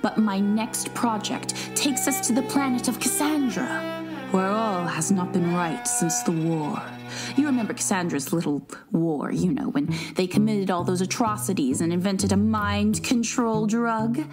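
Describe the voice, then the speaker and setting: A woman plays a self-important investigative journalist from a space audio drama, pitching her scoop. She is dramatic and relishes scandal, with music clearly playing behind her. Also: measured pace, lightly acted. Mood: dramatic, conspiratorial. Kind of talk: scripted podcast promo in character.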